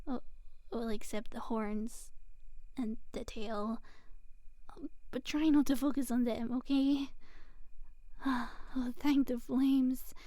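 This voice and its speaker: A woman voicing a teasing but secretly gentle female demon in an intimate ASMR roleplay, with a soft, breathy, often whispered delivery. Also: a little high, fairly even intonation, slow pace, dry recording. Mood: gentle, reassuring.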